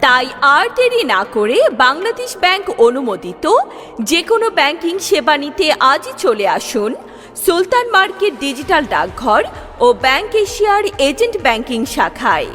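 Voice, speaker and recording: High lively woman's loudspeaker announcement. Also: moderate pace. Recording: long reverb with music bed. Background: music.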